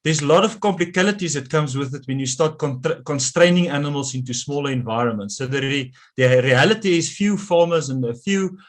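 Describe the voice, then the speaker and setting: A man's voice: fairly high pitch, brisk, hardly any pauses. A man with a South African accent, a native Afrikaans speaker, wrapping up a talk over a video call and then answering questions, with many fillers and restarts. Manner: hesitant, lots of fillers and restarts. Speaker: conservation scientist giving a talk. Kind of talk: closing remarks and Q&A answer.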